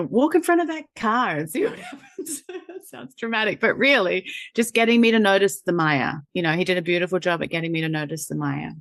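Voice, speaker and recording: A woman's voice: lowish voice, no room sound, clean studio sound. A woman, a guest chatting casually, rambling and laughing, with lots of fillers and the odd swear. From New Zealand. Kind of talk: casual conversational interview.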